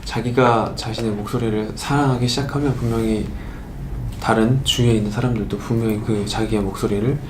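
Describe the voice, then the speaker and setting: Young man, earnest, reflective, very fast talker, echoey room, clear background noise. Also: lowish voice, steady tone. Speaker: K-pop idol. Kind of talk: casual chat.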